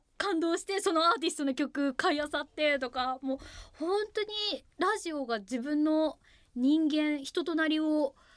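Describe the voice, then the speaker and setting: With lively intonation, a woman speaks in an extremely high pitch. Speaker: radio personality. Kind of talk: late-night radio monologue. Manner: animated.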